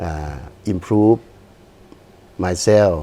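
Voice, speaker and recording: A man talks with a Lao accent. His pitch is very deep and low, and his intonation stays fairly even. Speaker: retired radio broadcaster. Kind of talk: interview. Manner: halting.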